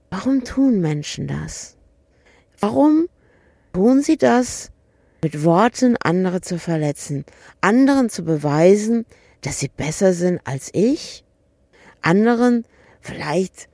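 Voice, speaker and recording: A middle-aged woman tells a story in an earnest, searching way, often repeating her questions. Her voice sits on the low side with a warm, mellow tone. The recording is close and dry. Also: no echo. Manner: earnest, asks repeated questions, acts out dialogue. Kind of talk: reflective personal storytelling.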